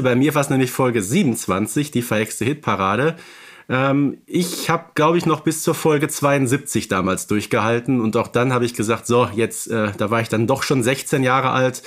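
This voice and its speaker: A man's voice: medium pitch, normal speed. A man of forty speaking conversationally as the host of a podcast.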